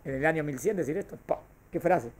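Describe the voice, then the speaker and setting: A man's voice: fairly high pitch, lively intonation, brisk, darkish tone. Man as a Torah teacher, questions the class and answers himself. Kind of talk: classroom lesson on Jewish thought.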